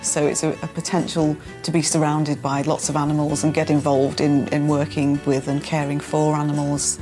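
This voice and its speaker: Woman, middle-aged, low voice, chatty and relaxed, casual interview, background music. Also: normal speed. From Liverpool, England. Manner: chatty, relaxed, some hesitations. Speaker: house buyer.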